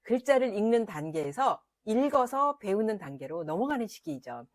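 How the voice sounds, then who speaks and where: A woman's voice: mid-range voice, sing-song, moderate pace, no echo. A middle-aged woman teaching parents about children's reading, talking in an emphatic way with frequent fillers. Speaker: literacy educator. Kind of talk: parenting advice lesson.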